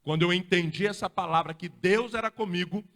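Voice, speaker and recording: Brazilian pastor, male, high-pitched emphatic preacher, church hall with long reverb. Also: a little fast, a bit bright. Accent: Brazilian Portuguese. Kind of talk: sermon.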